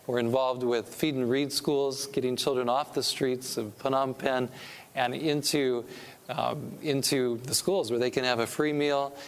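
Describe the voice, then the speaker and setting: A man's voice: mid-range voice, steady tone, a little slow. A middle-aged man from California giving an earnest, preacherly talk to a church audience as a pastor and missionary speaker. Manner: earnest, preacherly, rising with emphasis on key points.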